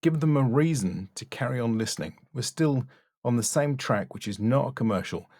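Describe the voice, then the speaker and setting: A man's voice: medium pitch, expressive, moderate pace, a little mellow, no room sound, studio quality. A man giving a spoken critique as a voice-over coach, blunt and instructive, with short emphatic remarks. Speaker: voice-over coach reviewing demo reels.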